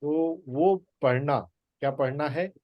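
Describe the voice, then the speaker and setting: A man teaching the Gita in a spoken talk, slow and deliberate with emphatic pauses. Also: fairly high pitch, no room sound, dull audio.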